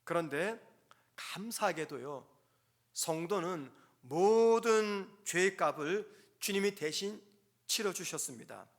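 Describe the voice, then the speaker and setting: A male pastor preaching a sermon at a dawn prayer service in a church, earnest and emphatic, with pauses between short phrases. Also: sits high, animated.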